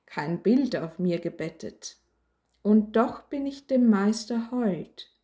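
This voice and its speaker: A woman voicing a calm, wise old wooden cross that speaks in earnest rhymes. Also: medium pitch, takes it slowly. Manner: calm, earnest rhyming speech.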